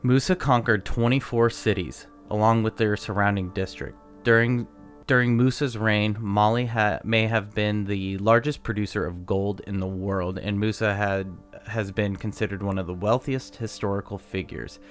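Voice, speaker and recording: A young man with a low voice, co-hosting a casual podcast. He tells the story loosely, reading from his notes, stumbling and laughing over hard names. Faint music plays underneath. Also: steady tone, moderate pace. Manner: reads facts aloud with stumbles, laughs at his own pronunciations. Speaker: podcast co-host.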